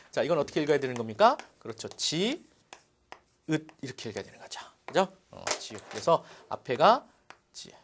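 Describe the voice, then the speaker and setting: A man's voice: fairly high pitch, a little hiss or hum. A middle-aged man teaching a Korean language lesson, explaining step by step and checking in with his students as he goes. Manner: lively explaining, frequent "자" and rhetorical checks. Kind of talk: classroom lecture.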